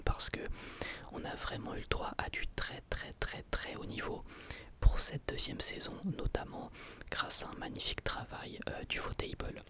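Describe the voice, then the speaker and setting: Whispered ASMR voice. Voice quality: soft, breathy, unvoiced whisper. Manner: casual, hesitant, repeats words. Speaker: YouTube ASMR reviewer. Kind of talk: whispered ASMR anime review.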